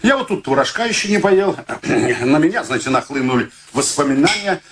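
A man's voice: fairly high pitch, animated, moderate pace, a crowd in the background, close to an everyday voice. An actor playing an awkward, polite middle-aged man, a hesitant and laconic guest in a radio drama. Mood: reluctant, wistful. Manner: hesitant, laconic, throat-clearing. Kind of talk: naturalistic radio drama acting.

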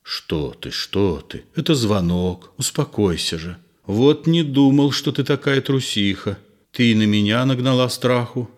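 A gentle, nervous gentleman in an audiobook play, as the reader plays him. He speaks low and soft, soothing and tender. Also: animated, measured pace, lightly acted. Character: gentle nervous middle-aged man, soothing.

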